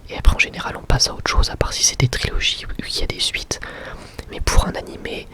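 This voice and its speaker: Male, ASMR review, whispered, breathy, soft, intimate, very variable intonation, talking directly to viewers. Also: fairly high pitch. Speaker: ASMR video host.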